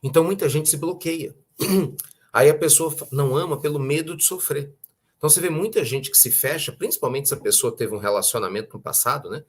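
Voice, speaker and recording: A man with a Brazilian accent giving a conversational spiritual talk, often asking rhetorical questions and clearing his throat. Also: on the high side, fairly quick. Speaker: spiritual teacher.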